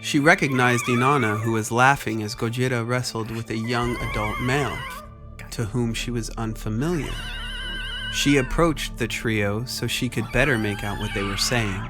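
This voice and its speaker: Male narrator, mid-pitched, scripted story reading, clear music bed behind. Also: moderate pace. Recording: loud music under voice.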